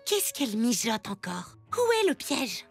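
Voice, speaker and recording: A woman's voice: a little high, very animated, measured pace, creaky, breathy edge, soft background music, full character voice. A woman voicing a sceptical, easily indignant young girl in a children's cartoon, with a dramatic, complaining manner. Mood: suspicious. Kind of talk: French-language children's cartoon dubbing.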